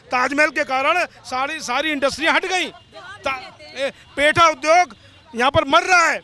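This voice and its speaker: A man, an opposition politician, forcefully listing demands and accusations in short repeated bursts during a debate. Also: very high-pitched. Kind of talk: campaign speech in a debate.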